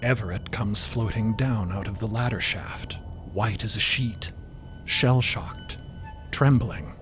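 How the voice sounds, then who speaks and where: A man giving suspenseful, deliberate scripted narration for a fantasy audio drama. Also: fairly low pitch, fairly bright tone, soft background music.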